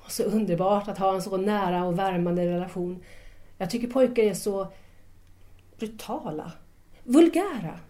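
Actress doing a shy eager schoolgirl of seventeen, soft mellow voice, polite and unsure, audio play. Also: medium pitch, pauses often, close to an everyday voice. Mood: admiring. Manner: polite, tentative, deferential. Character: shy, admiring seventeen-year-old schoolgirl, eager, insecure. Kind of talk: audio drama dialogue.

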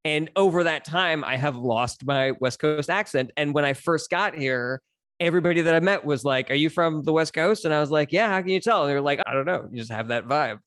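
A man's voice: on the high side, a little fast, fairly bright tone, no echo. A man in his forties from Los Angeles with an American accent, telling personal stories candidly and articulately in casual conversation as a podcast guest. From Los Angeles, United States. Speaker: podcast guest, stand-up comedian.

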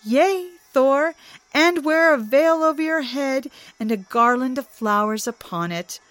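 A woman's voice: high-pitched, fairly bright tone, no echo, faint music behind, voice pushed up. A woman voicing a cunning, mocking male trickster god in a storybook reading, speaking in a sly, teasing way. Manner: sly, teasing, drawn-out mockery.

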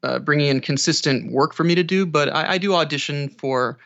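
A man's voice: a little high, fairly quick, vocal fry, a bit bright, no room sound, highs cut off. An American man talking casually as an interview guest who works as an audiobook narrator.

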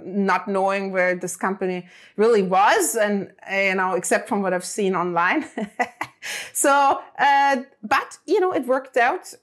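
Middle-aged german-native woman, chatty, lots of ums and restarts, mid pitch. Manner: chatty, many fillers and restarts. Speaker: interview guest. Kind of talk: casual storytelling.

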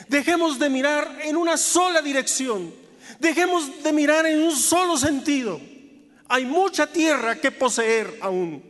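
Male pastor, high-pitched, earnest and fervent sermon delivery, long church-hall reverb. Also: a bit bright. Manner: earnest, heartfelt testimony building to fervent exhortation. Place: church sanctuary.

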